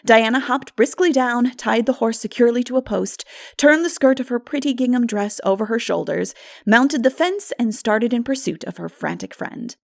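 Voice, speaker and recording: Woman reading an audiobook, highish voice, bit of fry, expressive storytelling. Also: normal speed, no echo, clean studio sound. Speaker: audiobook narrator. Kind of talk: scripted literary narration.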